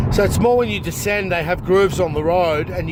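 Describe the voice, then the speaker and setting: Loud and high-pitched, a man with an Australian accent uses lively intonation, with audible room echo and noticeable background noise. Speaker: car reviewer. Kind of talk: casual vlog while driving. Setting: in a car.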